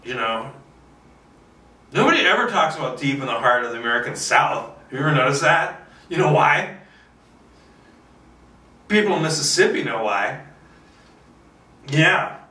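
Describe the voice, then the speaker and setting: A filmmaker doing a solo table read thinks aloud in a casual, rambling monologue, playfully boastful, talking to himself and swearing a bit. His medium-pitched voice is bright and forceful, with big pitch swings, normal speed, and long pauses. The room is echoey and the mic distant.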